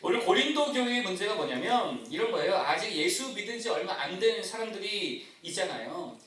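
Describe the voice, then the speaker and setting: A man's voice: high-pitched, a little fast. A male pastor preaching a sermon in a church, often asking the congregation questions. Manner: animated, asks the congregation questions. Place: church sanctuary. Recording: echoey church hall, distant mic.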